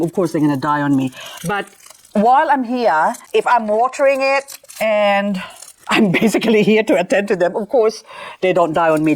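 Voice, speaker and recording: A middle-aged woman raised in the Philippines, chatting playfully while cleaning up succulents in a casual vlog. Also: medium pitch. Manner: chatty, playful, self-mocking asides. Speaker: gardening vlogger. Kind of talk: casual chat while repotting plants.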